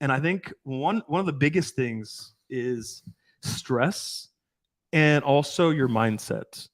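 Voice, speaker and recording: A man's voice: mid-range voice, slow, dry recording. A man in his thirties with a mid-range voice rambles through a casual podcast chat as a dating coach. He swears freely and keeps restarting his sentences. The sound is dry and close. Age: 30s. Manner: rambling, profane, restarts often.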